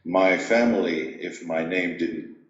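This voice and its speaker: A middle-aged man from Greece, an executive coach, telling his story at a measured, reflective pace in an interview. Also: sits low, roomy sound, dull audio.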